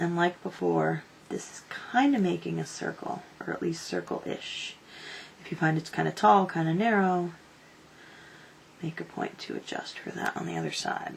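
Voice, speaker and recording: Soft-spoken and pausing long and often, a woman talks at a moderate pace over noticeable background noise. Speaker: henna artist. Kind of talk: tutorial. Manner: casual, with filler ums.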